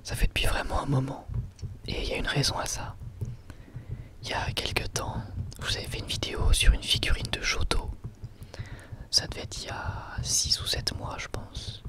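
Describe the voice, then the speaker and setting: An ASMR host whispering a casual, drily ironic product presentation in a hesitant, conversational way. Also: moderate pace.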